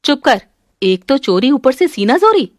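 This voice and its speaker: Woman voicing a cartoon mother-in-law, stern, lower than her daughters-in-law, commanding, dry sound. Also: big pitch swings, normal speed, no echo. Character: strict scolding mother-in-law.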